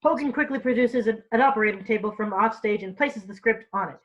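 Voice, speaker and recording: A woman narrates stage directions through slightly dull, lo-fi audio. Her voice is fairly high, and her informal scripted reading has small stumbles and repeats. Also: quick pace, fairly bright tone.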